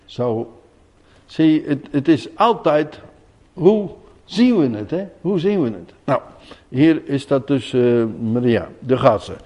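A man's voice: medium pitch, sing-song, slow, dull audio. A man preaching an informal sermon, reading Bible verses and commenting on them in a conversational way, often asking his listeners questions and repeating key words. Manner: says "hè?" often, drops to a hush for emphasis.

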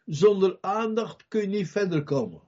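A man with a high, expressive voice preaches a sermon at a moderate pace, and the audio sounds dull. He is emphatic, hammering on key phrases, acting out Bible scenes with loud cries, and putting questions straight to his listeners.

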